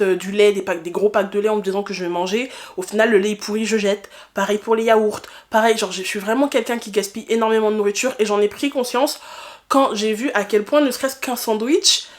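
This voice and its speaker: A woman, talking casually and candidly to her viewers in a reflective personal vlog, repeating phrases for emphasis. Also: mid-range voice. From France. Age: 20s. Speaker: vlogger.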